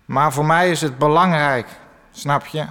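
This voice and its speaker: A gloomy, self-pitying basement ad-seller in a radio comedy. He drags every word out slowly in a slightly high voice, with a long reverb hanging on it. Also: sharp tone. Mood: mournful. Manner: slow, mournful, passive-aggressive. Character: gloomy, self-pitying man who works in the basement selling ads.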